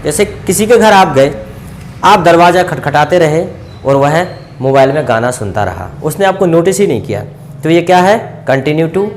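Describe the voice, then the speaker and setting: A man with an Indian accent teaching English grammar to a class, repeating example sentences and stretching out the English ones very slowly, with chatty asides to his students. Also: a little high, animated, a little hiss or hum.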